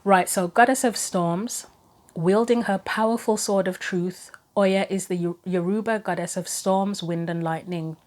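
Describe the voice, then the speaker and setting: A woman giving a chatty solo tarot reading and reading guidebook passages aloud, her voice going hoarse. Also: medium pitch, steady tone, a little slow, a little mellow. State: losing her voice, throat going. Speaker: tarot reader.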